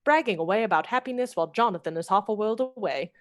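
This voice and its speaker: A woman's voice: mid-range voice, lively intonation, fast talker, lightly acted. An actress playing a sweet, chatty young Victorian lady in a radio play, confiding and dramatic in a girlish way. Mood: excited. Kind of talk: radio play acting and storytelling.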